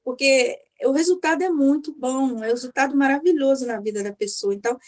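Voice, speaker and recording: A woman's voice: sits high, a little fast, a little mellow. A Brazilian woman in her fifties giving a chatty personal testimonial as a mentoring client, often acting out little dialogues. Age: 50s. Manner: chatty, acts out dialogues, frequent tag questions.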